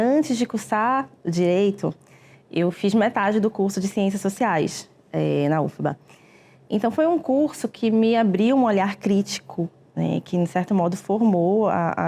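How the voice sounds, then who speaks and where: A woman, a public defender answering interview questions in a measured, explanatory way with frequent hesitations. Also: medium pitch, a little mellow. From Brazil.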